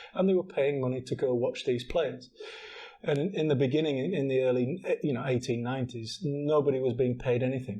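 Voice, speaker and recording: A man's medium-pitched, somewhat breathy voice with a dark, mellow tone and a northern English accent, fairly quick pace and ordinary pitch variation. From northern England, near Leeds. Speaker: former rugby league player. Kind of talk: podcast interview. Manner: hesitant, many fillers and repetitions.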